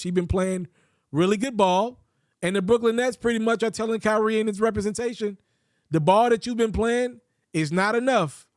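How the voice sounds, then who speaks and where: A man giving casual, opinionated basketball commentary, his voice a little raspy after just having his wisdom teeth pulled. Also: sits high, no room sound, studio quality. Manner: quick, opinionated, conversational. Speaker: sports commentator.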